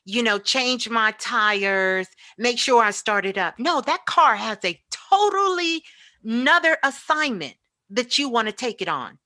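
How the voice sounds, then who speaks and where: A woman's voice: a little high, animated, a little slow, bright, forceful tone. A woman giving a motivational spiritual talk in an emphatic, preaching way, repeating phrases for weight. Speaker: guest spiritual teacher.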